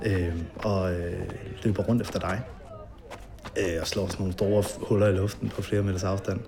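Male interviewee, gravelly voice, lowish pitch, halting retelling, lots of fillers. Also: flat delivery, noisy background. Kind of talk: recounting a memory.

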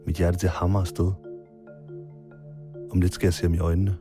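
A man narrating his own story in a quiet, measured first-person documentary style, with marimba music behind him. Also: low-pitched, little pitch movement.

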